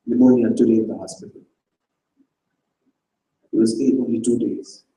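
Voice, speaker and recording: A man voicing a gentle young woman who tells sad news softly and tenderly, in a stage reading. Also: medium pitch, roomy sound, natural voice, poor audio.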